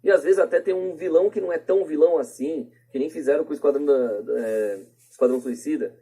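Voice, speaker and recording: Brazilian male podcast guest, higher-set mellow voice with some husk, informal and explanatory. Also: fast talker, husky, low-quality recording. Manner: informal, explains through everyday examples. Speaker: podcast debate participant. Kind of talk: casual opinionated podcast discussion.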